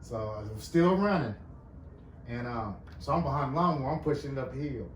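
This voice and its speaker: A man recounting a mishap in a relaxed, unhurried way, keeping it low-key. He sits some distance from the mic in an echoey room, with clear background noise. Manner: easygoing, low-key storytelling. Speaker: podcast guest. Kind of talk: casual storytelling.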